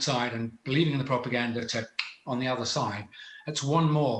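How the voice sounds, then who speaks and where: His pitch sits in the medium range, and he uses a normal speaking voice. The man's delivery is fairly quick, with ordinary pitch variation. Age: 60s. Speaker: scientist speaking out on covid data. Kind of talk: panel discussion.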